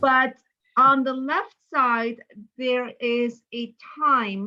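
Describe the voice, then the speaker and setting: In a raised, projected voice with a bright, sharp tone, a woman speaks very slowly at a high pitch with ordinary pitch variation against a quiet background. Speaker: instructor attending a training; instructor or course designer. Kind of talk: webinar Q&A. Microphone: video call.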